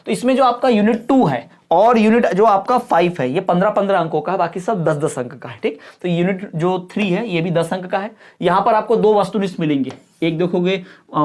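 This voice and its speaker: Low-voiced woman teacher tallying exam marks. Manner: checks in often with "clear?" and tallies marks aloud. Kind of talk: exam-prep lecture.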